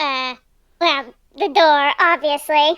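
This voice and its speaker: A put-on character voice is delivered at a high pitch. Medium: actual play.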